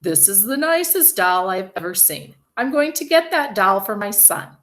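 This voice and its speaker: A woman voicing an eager, easily panicked man shopper in a children's story, excitable and exclaiming. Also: mid-range voice, normal speed. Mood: admiring.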